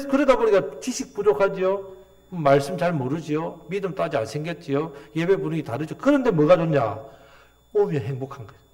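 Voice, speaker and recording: Middle-aged male pastor, fairly high voice, very lively intonation, animated sermon delivery with rhetorical questions. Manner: animated preaching, rhetorical questions, mock quoting of characters.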